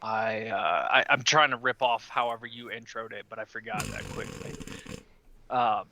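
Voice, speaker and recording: A man's voice: medium pitch, level tone, normal speed, bright, forceful tone, a little hiss or hum. A man joining a podcast remotely as a player, joking in a droll, rambling, casual way.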